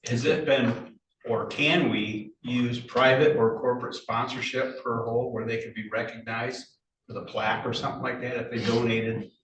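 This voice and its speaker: A man's voice: mid-range voice, fairly even intonation, moderate pace, a bit bright. A man at a public meeting asking questions tentatively. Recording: echoey, distant with faint noise.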